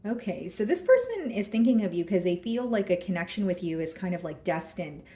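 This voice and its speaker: A woman giving a casual tarot reading with a hoarse, scratchy throat, thinking aloud as she draws cards and talks straight to her viewers. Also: on the low side, big pitch swings, fairly quick, mellow, echoey room. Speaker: tarot card reader.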